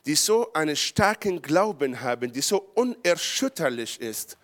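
A man from Israel preaching a charismatic sermon, his voice sitting a little high. He talks in imperfect, non-native German and climbs to loud, emphatic peaks. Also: very animated, measured pace. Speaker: pastor.

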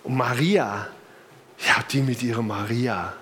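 At a measured pace, a middle-aged man with a medium, slightly bright voice preaches informally, with a little hiss or hum in the recording. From Bamberg, Germany, he speaks with a southern German accent, mixing personal anecdotes with emphatic repetition.

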